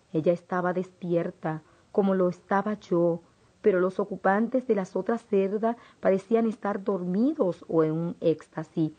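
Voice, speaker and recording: A woman narrating a first-person audiobook in a solemn, intense manner, in a dull, lo-fi recording. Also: fairly low pitch.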